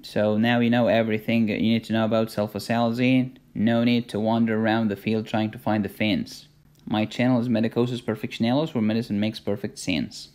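Egyptian man giving a lively medical lecture. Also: fairly low pitch, fairly quick. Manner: jokey, emphatic teaching with rhetorical questions. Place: voice-over recorded for a drawn lecture video.

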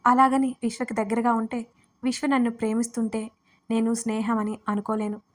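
A woman voicing a young woman torn between friendship and love, speaking with halting, tearful words in an audio story. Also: fairly high pitch, little pitch movement, natural voice.

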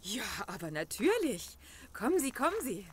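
A woman's voice: a little high, very animated, moderate pace, slight background noise. A woman playing an effusive, devout member of a spiritual community in an audio drama, with an inviting, gushing manner. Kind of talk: German audio drama acting.

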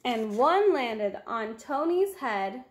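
Female, 20s, children's storyteller. High pitch, slow and expressive delivery, recorded in a roomy home space. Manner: simple, expressive, addressing young children. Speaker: read-aloud storyteller. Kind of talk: children's picture book read-aloud. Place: small room at home, indoors.

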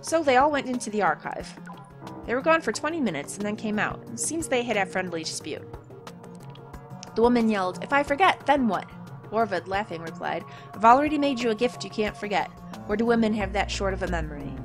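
A woman doing a gruff old jeweler grumbling. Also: mid-range voice, sing-song, a little fast, music in the background, close to an everyday voice. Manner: gruff, grumbling, calls the hero sonny. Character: grumpy old male jeweler. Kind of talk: reading game dialogue aloud.

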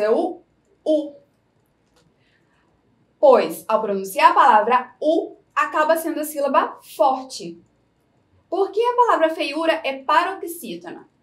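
Brazilian woman teacher, high voice, clear, patient, scripted lesson. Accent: Brazilian Portuguese. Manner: slow, clear, instructive delivery.

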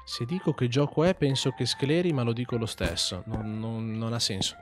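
A man giving joking, swearing commentary over a horror game, yelling when startled. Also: mid-range voice, normal speed, soft background music. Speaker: gaming host. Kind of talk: horror let's play commentary.

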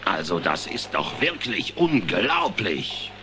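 An actor playing a suspicious, indignant animal passenger in an animated film radio play, grumbling as he talks. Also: low voice, slow, background noise, heavily acted.

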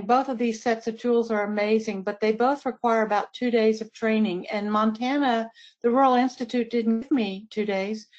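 A middle-aged woman presenting a webinar, chatty and friendly, dropping casual asides as she goes. Her voice sits a little high. The audio is dull and lo-fi. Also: darkish tone. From West Virginia, raised in Ohio. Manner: friendly, conversational, with asides and fillers.

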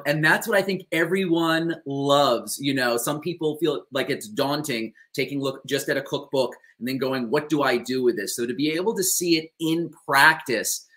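A man's voice: medium pitch, pushed and bright. A man in his thirties hosting a live stream over a video call, gushing with praise and relaying viewer questions. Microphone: video call webcam.

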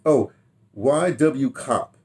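An American man in his sixties reminisces casually in a rambling, halting way, repeating words and throwing in animated asides, recorded in a home study. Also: medium pitch. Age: 60s. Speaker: radio drama director telling his history. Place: small home study, indoors.

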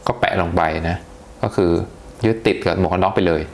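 Low gravelly man reviewing gadgets. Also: steady tone, brisk, a little hiss or hum. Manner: chatty, hesitant, lots of polite particles. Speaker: tech reviewer. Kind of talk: casual unboxing review.

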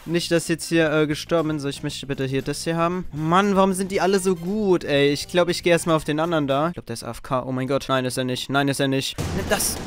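A man's voice: fairly high pitch, steady tone, fast talker, few pauses, faint music behind. A young man chatting casually to his viewers as a gaming YouTuber. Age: teenager to young adult. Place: small attic bedroom. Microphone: microphone on boom arm.

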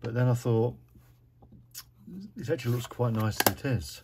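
With heavy noise in the background, a British man talks through a card-making tutorial from his craft desk in a relaxed, self-mocking way, narrating every step. His pitch is medium and his speed normal.

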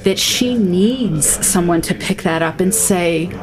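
A woman's voice: fairly low pitch, takes it slowly, a crowd in the background. A middle-aged woman counselor being interviewed on a podcast, speaking earnestly and acting out quoted speech. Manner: earnest, acts out quoted speech in lively voices. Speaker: guest counselor.

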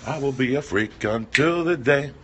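An older man in his sixties, hosting a casual livestream in a small backstage room, talking loud and profane into a phone held at arm's length. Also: mid-range voice, normal speed, background noise. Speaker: comedian and podcast host.

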